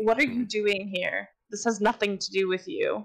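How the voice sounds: A put-on character voice, fairly high and hissing, at a moderate pace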